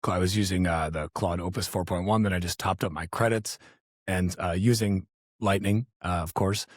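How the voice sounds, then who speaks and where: A man hosting a podcast, chatting casually, losing his voice and sounding hoarse and gravelly, excitable and swearing casually. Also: deep voice, normal speed, dry recording, studio quality. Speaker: podcast host.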